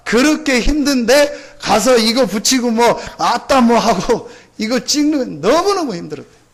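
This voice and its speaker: A male pastor preaching a Sunday sermon, asking rhetorical questions, answering them himself and building points by repetition. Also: very high voice. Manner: builds points by repeating phrases.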